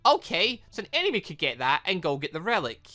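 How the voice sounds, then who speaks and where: A British gaming host chats casually through a let's play, rambling and thinking out loud. The voice is bright and very animated in pitch, sitting at a medium height. Soft game music plays behind it. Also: fast talker. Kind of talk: casual let's play commentary, reading game dialogue aloud.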